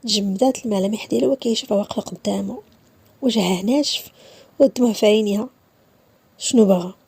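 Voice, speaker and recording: A woman's voice: medium pitch, very fast, creaky, a little mellow, breathy edge, dry recording. A woman with a Moroccan accent narrating a dramatic story, dipping into whispers at tense moments.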